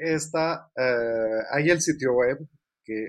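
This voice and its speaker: A man speaks with a French accent and ordinary pitch variation. The background is quiet. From France. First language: French (speaking Spanish). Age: 30s. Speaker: abuse survivor and advocacy group president. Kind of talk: interview testimony.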